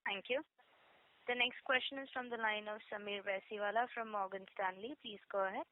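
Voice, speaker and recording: A woman's voice: medium pitch, steady tone, a little fast. Formal woman operator, muffled phone line. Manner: polite, formal. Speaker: conference call operator. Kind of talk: formal scripted announcements. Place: phone conference call.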